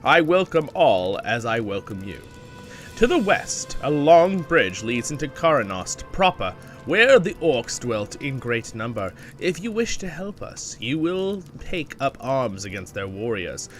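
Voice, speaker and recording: A man's voice: medium pitch, sing-song, a little slow, soft background music. A man reading as a stern male camp leader. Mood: solemn. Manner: reads quest text aloud with slips.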